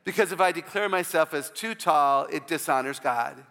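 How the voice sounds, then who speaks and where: A woman with a low voice, often taken for a man's, giving an inspirational church talk full of humorous personal stories and call-outs to the audience. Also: normal speed, vocal fry, fairly bright tone, in a large hall.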